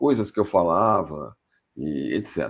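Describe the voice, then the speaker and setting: A man speaks at a fairly slow pace in a very deep, low voice with vocal fry. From Brazil, São Paulo city. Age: 60s. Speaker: ufologist, contactee. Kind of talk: live stream interview. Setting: online live stream.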